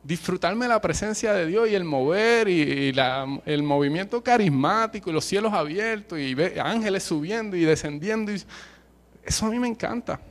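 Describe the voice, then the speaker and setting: A man's voice: high-pitched, lively intonation, moderate pace. A man with a Puerto Rican accent preaching a sermon, passionate and emphatic, mixing in colloquial slang and humor. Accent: Puerto Rican Spanish. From Puerto Rico.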